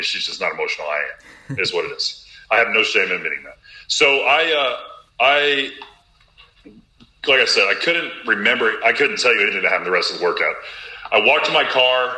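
A man's voice: lowish voice, sharp tone. Earnest, emotional athlete telling his story. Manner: earnest, emotional, quick retelling with quoted self-talk. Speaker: professional basketball player, guest. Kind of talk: candid storytelling interview answer. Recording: roomy echo.

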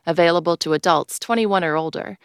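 Female announcer, lower voice, dry booth sound, scripted sponsor read. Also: a little fast, clean tone, no echo.

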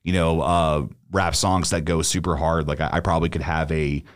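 Deep-voiced young man rambling on a podcast. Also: little pitch movement, normal speed, dry recording, clean studio sound. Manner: rambling, many fillers and restarts. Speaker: podcast co-host. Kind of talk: casual podcast chat.

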